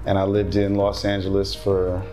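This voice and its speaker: Joking American comedian, fairly low voice. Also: male voice, faint music behind. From United States. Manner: joking, quick, animated. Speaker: stand-up comedian guest. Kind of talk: casual interview chat.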